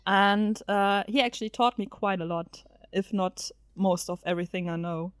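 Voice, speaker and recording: A woman whose first language is German talks casually as a guest on a podcast. She laughs a lot and pauses with ums and uhs between her thoughts. Her voice sits at a middle pitch and sounds very dry and close to the mic. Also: flat delivery, smooth, no echo. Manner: chatty, laughs often, hesitant fillers. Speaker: featured guest.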